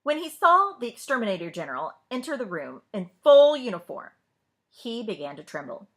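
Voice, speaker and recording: A woman reading a storybook aloud to children as a librarian, with expressive narration. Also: fairly high pitch, moderate pace.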